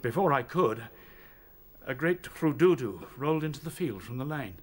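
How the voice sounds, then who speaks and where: Shaken rabbit captain, halting man acting. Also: mid-range voice, lively intonation, lightly acted. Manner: halting, searching for words. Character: battle-worn male rabbit captain, shaken, recounting horrors. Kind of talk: radio drama dialogue.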